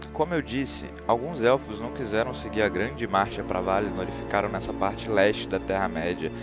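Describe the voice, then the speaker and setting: A man narrating a humorous explainer in a casual, joking, slangy way. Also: lowish voice. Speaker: host. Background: background music.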